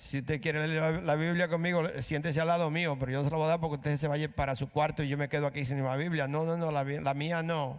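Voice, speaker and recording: Speaking at a fairly quick pace, a man with a fairly high pitch keeps a monotone, flat intonation and very even loudness in a very clean recording with a silent background. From Latin America. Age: old. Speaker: guest preacher. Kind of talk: sermon. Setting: church. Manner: halting.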